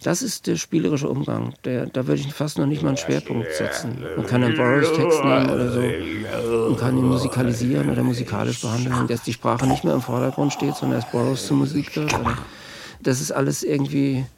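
A man's voice: medium pitch, steady tone, fairly quick, gravelly, over a noisy crowd. A man, a composer, talking reflectively as in an interview, with music behind him.

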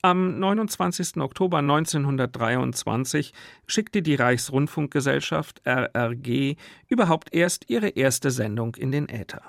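A man's voice: mid-range voice, expressive, moderate pace, vocal fry, no room sound, studio quality. A man hosting a radio discussion, speaking in a reflective, searching manner. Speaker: radio host and interviewer. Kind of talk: moderated radio discussion, scripted introductions and spontaneous talk.

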